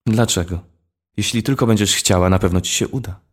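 A man's voice: lowish voice, a little fast, close to an everyday voice. A man reading a storybook, voicing a caring mother who speaks soothingly. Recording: long hall reverb.

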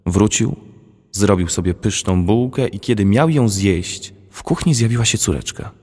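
A man narrating a children's storybook in a measured, expressive reading. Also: fairly low pitch, slightly rough. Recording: long hall reverb.

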